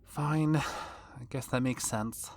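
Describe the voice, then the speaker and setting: A woman playing an earnest, reluctant, gentle-hearted vampire in an audio drama, with a hesitant, sincere way of talking. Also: extremely low pitch, takes it slowly, full character voice. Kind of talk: audio drama comedy acting.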